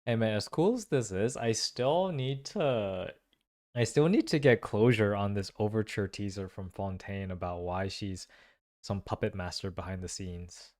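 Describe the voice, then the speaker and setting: A man's voice: lowish voice, measured pace, darkish tone. A man giving casual game reaction and analysis commentary, musing aloud with lots of questions and informal slang. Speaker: reaction video host.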